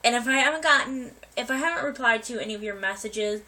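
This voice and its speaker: Young woman vlogger, bright voice, recovering from a cold, chatty and meandering. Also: on the high side, fast, poor audio. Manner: rambling, many ums and restarts. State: getting over a cold, coughing. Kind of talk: casual life update to viewers.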